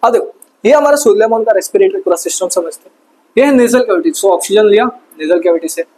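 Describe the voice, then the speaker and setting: A man teaching a fast exam revision lesson, casual and chatty, asking quick questions and answering them himself. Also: sits high, expressive, mellow, husky, low-quality recording. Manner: quizzes himself with quick call-and-response questions. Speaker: science tutor.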